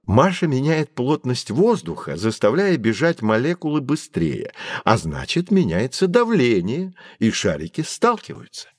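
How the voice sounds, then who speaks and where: A man playing a patient professor who explains things calmly to children in an audio drama. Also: medium pitch, a little slow, hardly any pauses, dry recording. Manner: calm, lecturing explanations. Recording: dry studio recording.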